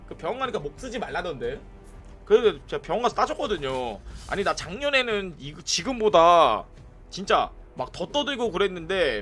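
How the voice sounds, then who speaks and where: Young male game streamer with a high, lively, swooping delivery. Excitable, breaks into shouts at teammates, and chats with viewers between plays. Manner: excitable, yelling bursts at teammates, chatting to viewers. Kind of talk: live gameplay commentary.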